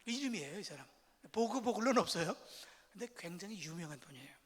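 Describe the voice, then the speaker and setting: A middle-aged man gives a church lecture on family life, his pitch leaping up and down as he talks. He acts out everyday phrases with big, exaggerated intonation. His voice rings through a reverberant church hall. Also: breathy edge. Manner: lively, acts out quoted lines with exaggerated intonation. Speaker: guest lecturer, professor. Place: church sanctuary.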